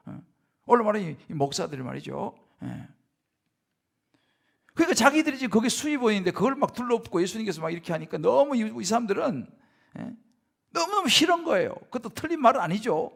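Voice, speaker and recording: Lively high-voiced male pastor preaching. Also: quick pace, creaky, slightly rough. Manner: conversational preaching, frequent rhetorical questions. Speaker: senior pastor. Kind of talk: sermon. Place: church sanctuary.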